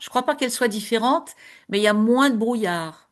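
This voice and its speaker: Over a quiet background, a woman speaks at a high pitch with ordinary pitch variation. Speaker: hypnosis client. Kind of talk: testimony. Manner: loud; halting.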